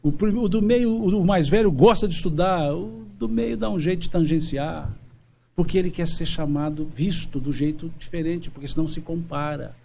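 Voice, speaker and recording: Animated male spiritist lecturer, slightly high. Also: moderate pace, gravelly, a little hiss or hum. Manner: animated, acts out little dialogues. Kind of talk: seminar talk. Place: lecture hall at a spiritist center.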